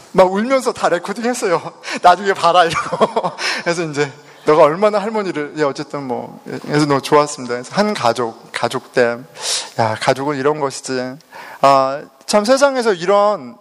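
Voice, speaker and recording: A man's voice: fairly high pitch, moderate pace. A middle-aged man from South Korea telling a personal testimony, laughing often as he talks. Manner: animated storytelling, laughing often. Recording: long hall reverb.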